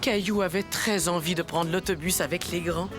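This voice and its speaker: A woman playing a kindly grandmotherly storyteller, reading a children's cartoon story in a gentle, expressive manner. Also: fairly low pitch, moderate pace, close to an everyday voice. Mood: gentle storytelling. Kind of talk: scripted children's story narration. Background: music behind the voice.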